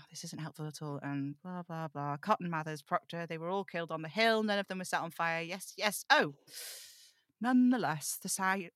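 A woman's voice: lowish voice, fairly bright tone, dry recording, close to an everyday voice. A woman playing a rambling, fretful young amateur occult investigator in an audio drama table read, chatty and self-interrupting, confiding in her listeners.

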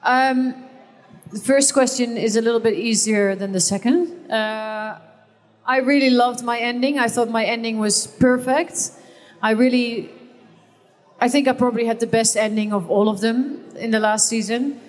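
Panel guest: Dutch-accented woman, slightly high voice, pauses to find words, long hall reverb. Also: fairly even intonation. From Netherlands. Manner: hesitant, searching for words. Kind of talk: live panel Q&A.

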